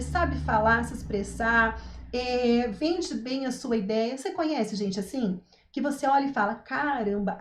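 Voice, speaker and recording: Animated Brazilian woman coaching parents. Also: fairly high pitch, roomy sound. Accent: Brazilian Portuguese. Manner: animated, acts out parents' lines, frequent "tá?" check-ins. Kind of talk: live-stream talk.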